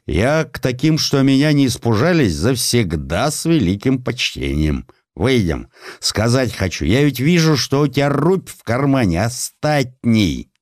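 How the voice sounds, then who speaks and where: A man voicing a rough, boozy male gold prospector with a hoarse voice and rustic, swaggering talk for an audiobook. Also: medium pitch, big pitch swings, unhurried, dry recording, studio quality, pitched above the performer's own voice. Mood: respectful, confiding. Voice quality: hoarse, wheezy.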